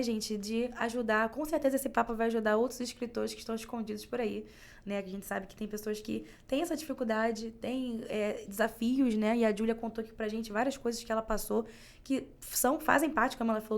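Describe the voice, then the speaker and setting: Woman, Brazilian accent, podcast host, friendly, chatty, slightly high voice. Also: fairly even intonation, a little fast. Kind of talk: episode sign-off.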